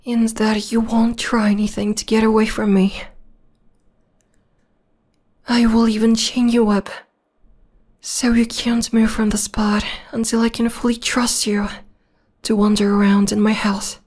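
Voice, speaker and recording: A woman playing an obsessive, possessive young vampire girl in an ASMR roleplay, soft and breathy with a sweetly menacing, intimate manner. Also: fairly high pitch, flat delivery, unhurried. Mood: softly possessive. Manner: soft, breathy, intimate, often dropping into whispers.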